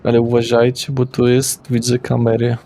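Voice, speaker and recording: A man's voice: medium pitch, monotone, moderate pace, dark tone. Man running a tabletop game. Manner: describes scenes loosely, with fillers and self-corrections. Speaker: game master.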